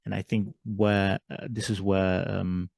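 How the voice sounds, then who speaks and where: A male podcast host talks in a fairly low voice, casual and a little mumbly, often restarting and correcting his questions. The sound is close and dry. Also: level tone, a little slow, creaky, a little mellow, no echo. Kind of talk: conversational interview.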